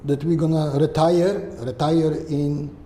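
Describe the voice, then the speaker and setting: Older Polish-accented man, mellow and halting. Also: fairly high pitch, level tone. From Poland. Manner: halting, often tagging "okay?" and "right?". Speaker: guest. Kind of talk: conversational interview answers. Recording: echoey room with long reverb and faint hiss.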